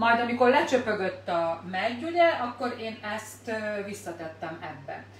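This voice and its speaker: A woman speaks at a very slow pace. Light background noise and audible room echo are present. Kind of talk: cooking tutorial live stream. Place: kitchen. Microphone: phone near.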